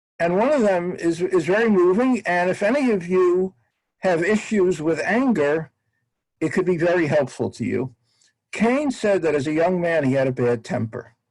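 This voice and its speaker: Speaking in a New York accent, a man uses a high pitch and lively intonation at a moderate pace, keeping his loudness very even. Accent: New York American. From US Northeast (Brooklyn, New York). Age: 70s. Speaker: rabbi. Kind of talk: lecture. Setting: video call. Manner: halting.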